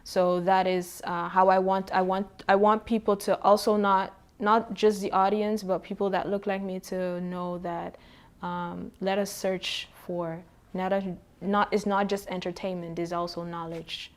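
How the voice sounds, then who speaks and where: A woman from Suriname, a poet, answering interview questions in a hesitant way, with many pauses, ums and restarts. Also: mid-range voice, level tone.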